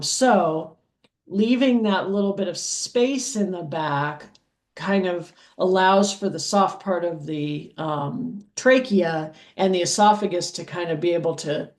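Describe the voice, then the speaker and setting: Slow, deep-voiced woman teaching anatomy. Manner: patient, checks in with "okay?" and many "um"s. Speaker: anatomy instructor. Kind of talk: slow explanatory lecture over diagrams.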